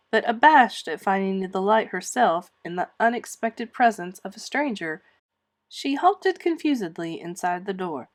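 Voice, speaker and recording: Female storybook reader, medium pitch, expressive, deliberate, scripted narration. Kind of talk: read-aloud story narration.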